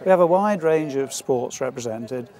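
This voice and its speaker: A man speaks as a programme spokesman in an explanatory interview. His voice sits at a medium pitch. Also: animated, moderate pace, background noise. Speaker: sports academy spokesman.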